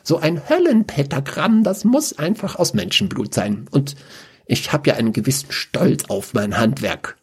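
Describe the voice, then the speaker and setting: A man voicing a gaunt, pale, centuries-old male black mage with a husky voice who talks in a chatty, mocking way. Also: on the high side, animated, normal speed, darkish tone, voice pushed up, full character voice.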